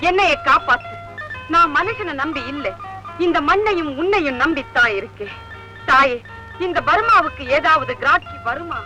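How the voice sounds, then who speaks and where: A woman's voice: high voice, low-quality recording. An actress playing a chatty comic village woman who sells appam, bantering with rhyming wordplay in a 1970s film comedy. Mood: pleading. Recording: film soundtrack with music behind.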